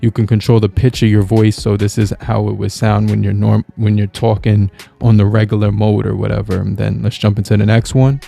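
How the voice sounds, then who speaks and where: A man giving a relaxed, casual product review, talking with many halting fillers. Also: fairly low pitch, creaky, soft background music. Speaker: gear reviewer. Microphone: podcast mixer with microphone.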